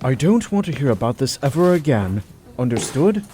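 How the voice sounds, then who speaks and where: A man's voice: medium pitch, very animated, moderate pace, warm tone, slight background noise, close to an everyday voice. A man playing a courteous but stern senior male doctor in an audio drama, with formal diction. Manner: formal, polite, firm. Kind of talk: amateur audio drama acting.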